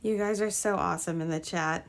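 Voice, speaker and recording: A woman hosting a casual live crochet stream, chatting with viewers, her voice a little hoarse from a cold. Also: on the low side, brisk. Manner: chatty, greets viewers, trails off and restarts. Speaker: crochet livestream host.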